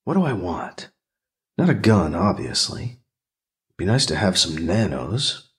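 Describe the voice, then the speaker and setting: A man's voice: sits low, very animated, a little slow, pitched below the performer's own voice. A man voicing a suspicious, sarcastic male Catholic priest with a wary, sardonic, terse way of talking, in a science fiction audiobook. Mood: wary, muttering.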